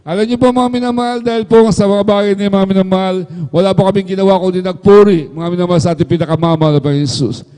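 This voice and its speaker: A man's voice: high voice, little pitch movement, very fast, dark tone, smooth, in a large hall. A middle-aged man giving a fervent testimony at an overnight prayer service, often addressing the congregation. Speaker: church member giving testimony.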